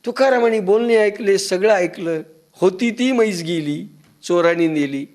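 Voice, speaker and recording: A man's voice: moderate pace, darkish tone. A man with a Marathi accent giving a devotional discourse, telling stories and acting out their dialogue. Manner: storytelling, acts out dialogue in low muttering voices. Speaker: spiritual discourse speaker.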